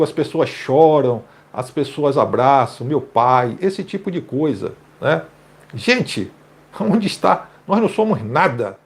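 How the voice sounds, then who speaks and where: A male pastor gives preachy commentary on a clip, pressing his points by repeating key phrases. His voice sits somewhat high for a man, and his delivery stays emphatic throughout.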